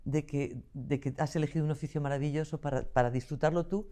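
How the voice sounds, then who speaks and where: A woman's voice: deep voice, steady tone, fast talker, warm tone. An older woman from Zaragoza, a guest actress telling stories at length in an interview. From Zaragoza, Spain. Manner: chatty, talkative storyteller. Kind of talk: interview conversation.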